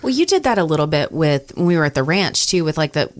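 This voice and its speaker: A woman's voice: sits low, very animated, quick pace. A woman co-hosting a podcast in casual, conversational talk. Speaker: podcast co-host, radio personality. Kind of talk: casual chat.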